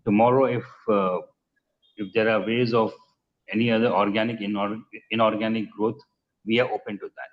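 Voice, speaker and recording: A man, a company executive giving measured, businesslike answers on an earnings call. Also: lowish voice, little pitch movement. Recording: muffled conference-call line.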